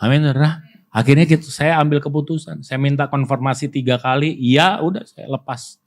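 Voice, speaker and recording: Lively man preaching a sermon. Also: on the high side, brisk. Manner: lively, conversational preaching with audience call-outs. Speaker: pastor.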